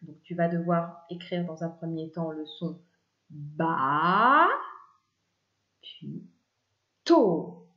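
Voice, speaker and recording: A woman teaching children to spell two-syllable words, explaining slowly and patiently syllable by syllable. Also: low-pitched, level tone. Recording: echoey room, dull lo-fi sound.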